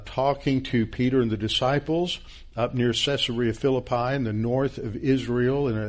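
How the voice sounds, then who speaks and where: A man teaching a verse-by-verse Bible class, with a halting delivery full of restarts and stressed key words. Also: mid-range voice. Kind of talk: expository Bible class lecture.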